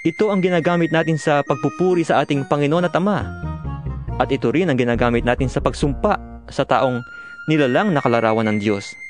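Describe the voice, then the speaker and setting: A man's voice: on the high side, fairly quick. Solemn man reading scripture over music. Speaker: narrator of a dramatized audio Bible. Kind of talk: dramatized scripture reading, exhorting. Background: music behind the voice.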